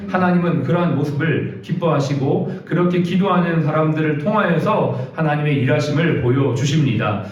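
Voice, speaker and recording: A man preaching a sermon in a hospital chapel, earnest and storytelling, acting out the voices of people he quotes. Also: a little high. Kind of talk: sermon with personal testimony. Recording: very echoey, distant, dull, faint noise.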